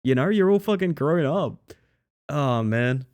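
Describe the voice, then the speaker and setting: A man's voice: fairly high pitch, lively intonation, unhurried, a little mellow. A male streamer at the end of a long session, chatting casually with viewers in a sleepy, crackly voice. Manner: friendly, rambling, thanks viewers. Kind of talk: casual stream sign-off chat.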